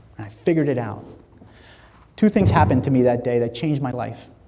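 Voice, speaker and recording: A man at medium pitch with ordinary pitch variation, over noticeable background noise. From New Jersey, US. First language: Spanish. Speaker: inspirational speaker. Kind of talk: keynote speech. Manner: animated.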